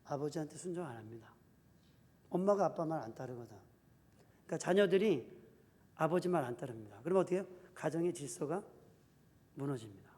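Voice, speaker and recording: A male pastor preaching an animated sermon in a church, acting out quoted husbands and wives as he goes. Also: on the high side, fairly quick, pauses often. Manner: animated preaching, acts out spouses' quarrels in quoted voices. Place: church sanctuary. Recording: reverberant church hall.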